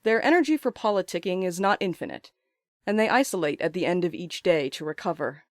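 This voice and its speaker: An actor playing a thoughtful, uneasy writer in an audio drama, speaking in an articulate, literary, measured way. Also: medium pitch, expressive, no echo, studio quality, close to an everyday voice. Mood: pensive, uneasy. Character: thoughtful, uneasy writer recounting observations in a private letter. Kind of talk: scripted first-person audio drama monologue.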